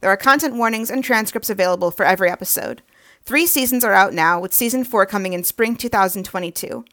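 A woman's voice: medium pitch, fast, fairly bright tone. Woman presenting an audio drama promo. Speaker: podcast writer introducing a show. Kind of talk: scripted promotional narration.

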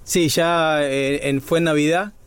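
A man's voice: on the high side, steady tone, measured pace, smooth, no echo. A married man, a guest, telling his own stories in a casual studio chat and laughing as he goes. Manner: storytelling, laughing while he recounts. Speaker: guest, married musician and playwright.

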